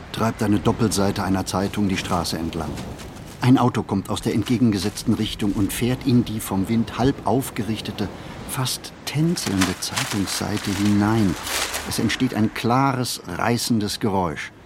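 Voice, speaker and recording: A male actor playing a brooding, observant city wanderer in a literary radio play, speaking in measured, deliberate phrases. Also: fairly low pitch, noisy background. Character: brooding, observant male city flaneur narrating his thoughts.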